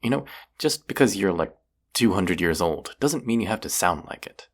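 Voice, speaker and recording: Young male vampire hunter, played by a male actor, audio roleplay: very low, gravelly voice, cocky and slangy, sarcastic with a self-mocking edge. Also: animated, moderate pace. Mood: teasing, defiant. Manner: teasing, sarcastic, casual slangy delivery.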